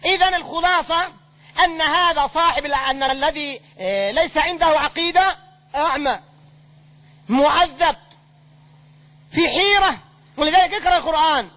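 A sheikh teaches a religious lesson, taking recited verses one line at a time and explaining each in plain colloquial speech. His man's voice sits very high. The recording is dull and lo-fi. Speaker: sheikh teaching a creed text.

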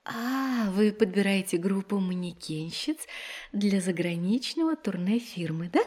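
An actress playing a hopeful, plucky young woman of twenty-two in an audio drama, musing and expressive. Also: mid-range voice, unhurried. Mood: timid, polite. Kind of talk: theatrical audio drama acting.

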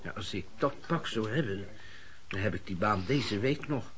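An actor playing a hard-up, jobless young bookkeeper, meek and wheedling, speaking haltingly in a radio drama. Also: male voice, on the low side, expressive, fairly bright tone. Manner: halting, stammering hesitation. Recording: busy eatery, chatter and clattering dishes. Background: crowd chatter, cutlery and dishes.

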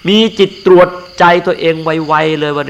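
A man's voice: a little high, steady tone, unhurried, vocal fry, smooth, dull audio. An older man, a monk, giving an earnest and emphatic dharma sermon.

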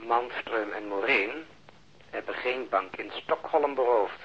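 An actor playing an exasperated, sardonic police officer in a radio drama, with a husky voice and dry, deliberate delivery. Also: male voice, mid-range voice. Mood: bitterly ironic. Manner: dry, deliberate, ironic storytelling. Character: exasperated, sardonic male police officer recounting a botched stakeout. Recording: dull lo-fi old radio recording.

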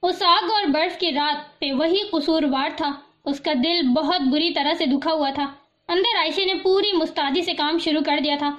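High-voiced woman narrating a novel. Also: a bit bright, lo-fi sound. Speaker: audiobook narrator.

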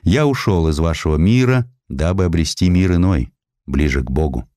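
A man's voice: deep voice, expressive, moderate pace, dark tone, no echo, clean studio sound. A man voicing a bold, commanding hussar officer in a formal, declamatory way for a historical audiobook. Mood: grave.

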